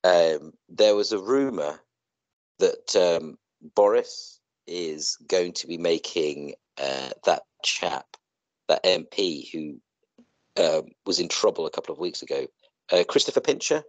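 A middle-aged man chatting casually on a video call in a rambling, halting way that often circles back on itself. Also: low-pitched, lively intonation, no echo. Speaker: co-host in a two-person online chat. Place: indoor room, video call.

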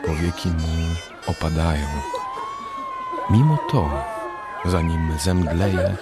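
A man's voice: low voice, slow pace, over loud music. A man narrating a radio drama from a script.

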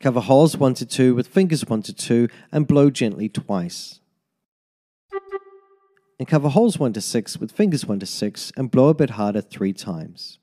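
A man narrating a tin whistle lesson as a voice-over, giving slow, methodical step-by-step fingering instructions. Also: mid-range voice, animated, dark tone. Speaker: music teacher.

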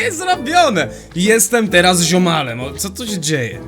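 A young man giving excitable, slangy gaming commentary as a youtuber, often laughing. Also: sits high, moderate pace, over music. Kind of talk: Minecraft let's play commentary.

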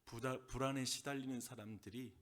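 A male pastor with a Gyeongsang Korean accent preaching a sermon, swinging between loud, emphatic lines and soft whispered asides. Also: medium pitch, fairly even intonation, fairly quick.

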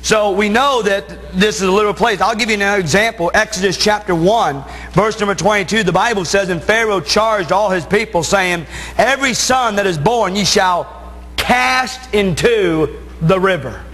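An American preacher with a high-pitched, fairly bright male voice delivers a Bible sermon to his congregation in a reverberant hall. He speaks emphatically, stretching out words to stress key phrases, while standing at the pulpit of the church sanctuary and pacing beside it.

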